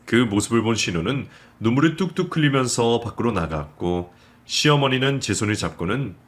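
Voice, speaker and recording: A man narrating a scripted story in a steady, measured way. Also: mid-range voice.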